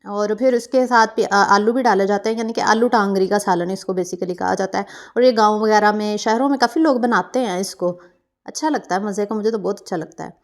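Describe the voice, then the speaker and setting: A woman's voice: mid-range voice, fairly quick. A young woman from Pakistan, narrating her cooking vlog in a chatty, meandering way full of fillers and self-corrections. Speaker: cooking vlogger.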